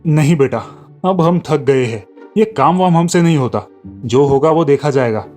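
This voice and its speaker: A man's voice: fairly high pitch, normal speed, darkish tone, soft background music, natural voice. A man voicing a tired, grumbling village father in a cartoon.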